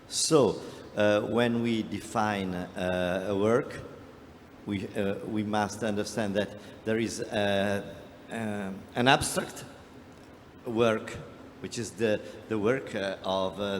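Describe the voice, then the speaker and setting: A man with a lowish voice explains something off the cuff, very slowly and deliberately. He hesitates often between phrases, and the hall adds long reverberation around his words. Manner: hesitant, deliberate, frequent long filler pauses. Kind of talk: unscripted explanation to a workshop group. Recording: reverberant hall with background noise.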